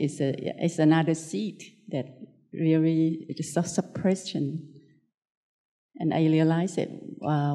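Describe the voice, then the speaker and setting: A Thai woman speaks as a Buddhist nun giving a spiritual teaching, with a Thai accent in her English. Her voice is low and mellow, and she moves slowly through short, simple phrases. The delivery is gentle and unscripted. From Thailand.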